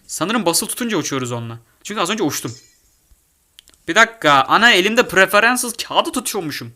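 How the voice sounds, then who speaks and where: A young man giving excitable gameplay commentary as a gaming YouTuber, often shouting and swearing in panic. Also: a little high.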